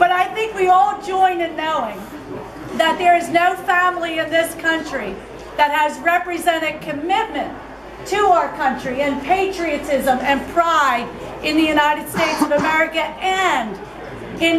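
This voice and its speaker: A woman's extremely high-pitched voice at a moderate pace with ordinary pitch variation, amid audible room echo and noticeable background noise. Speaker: political candidate. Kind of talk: campaign speech. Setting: fundraiser in a bar, live audience.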